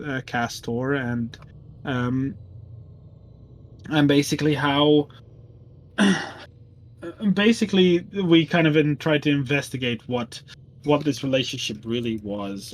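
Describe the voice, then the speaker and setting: A man recapping the last tabletop game session in casual chat, full of ums and self-corrections. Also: medium pitch. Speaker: player giving the session recap.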